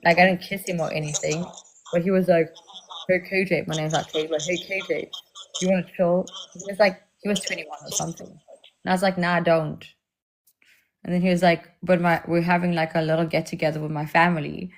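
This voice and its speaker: Laid-back gravelly South African woman. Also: lowish voice, fairly even intonation, fairly quick, low-quality recording. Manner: laid-back, laughing, loose storytelling. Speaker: livestream host. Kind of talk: casual chat.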